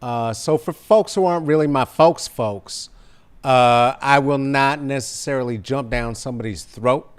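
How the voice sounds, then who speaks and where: A man in his forties with a baritone voice, hosting a podcast interview over a video call from home with a studio mic, animated and emphatic. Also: moderate pace, smooth. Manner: animated, emphatic, gestures while talking. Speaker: podcast host. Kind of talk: casual conversation. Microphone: studio mic in frame, earbud.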